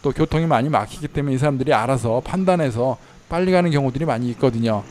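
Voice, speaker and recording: A man giving casual travel tips in a chatty way, slowing down to spell out how words sound. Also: medium pitch, darkish tone. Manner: chatty, slows down to spell out pronunciations. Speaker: travel vlogger in Thailand. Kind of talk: casual explanatory talk. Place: inside a car while driving.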